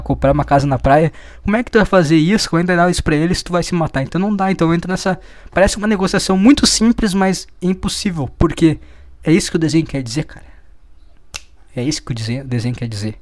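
Young man, fairly high voice, dry close sound, swearing and rambling through a sardonic rant. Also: darkish tone, no echo. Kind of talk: casual monologue.

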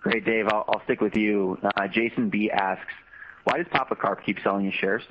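A man's voice: on the low side, fairly even intonation, normal speed. A man moderating an earnings call, handing over to speakers and reading out submitted questions. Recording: muffled call audio with faint noise.

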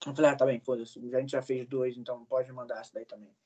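A man's voice: medium pitch, level tone, fast talker, mellow. A man in his early twenties telling stories in a casual interview, rambling with lots of fillers and swearing. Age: 20s. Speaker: guest, singer.

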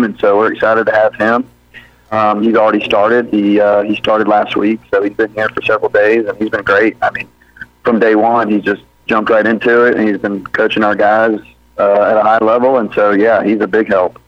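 A low-pitched man in his thirties speaks in a flat, even tone. He's a football coach giving a rambling, easygoing interview full of fillers and restarts. The sound is dry and dull, like lo-fi radio audio. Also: no echo. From Birmingham, Alabama. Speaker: high school football head coach. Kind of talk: interview on a sports radio show.

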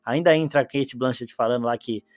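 Fast-talking Brazilian man, animated podcast host. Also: mid-range voice, dry recording. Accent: Brazilian Portuguese. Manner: animated, slangy, exclaims often. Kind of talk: casual film review chat.

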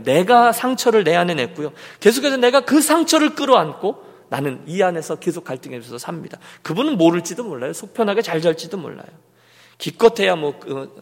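A man's voice: a little high, long reverb tail. A male senior pastor preaching a sermon earnestly and putting direct questions to the congregation. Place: church sanctuary.

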